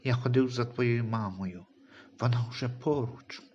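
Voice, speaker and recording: A man voicing a tender, reassuring guardian angel in a Christian audio story, speaking calmly and comfortingly. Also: medium pitch, unhurried, highs cut off, slight background noise, lightly acted. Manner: calm, comforting.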